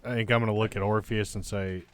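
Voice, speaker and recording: Low-pitched man playing a tabletop game. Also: little pitch movement, fast talker. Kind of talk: casual in-character roleplay and table chat.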